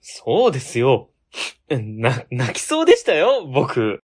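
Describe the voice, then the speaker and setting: An actor playing an excitable young male colleague who gets easily flustered, in an amateur web radio drama. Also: mid-range voice, breathy edge, exaggerated voice. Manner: flustered, quick questions.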